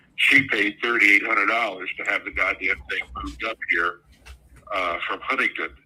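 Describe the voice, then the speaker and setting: A man talks at a moderate speed while background noise is noticeable. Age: 70s. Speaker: home seller on a sales call. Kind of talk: phone call conversation. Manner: halting, many fillers.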